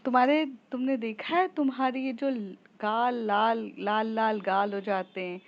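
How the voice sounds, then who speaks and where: A woman's voice: on the high side, unhurried. A woman voicing a playful young female friend who teases in a sing-song way, on a slightly muffled recording. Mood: teasing.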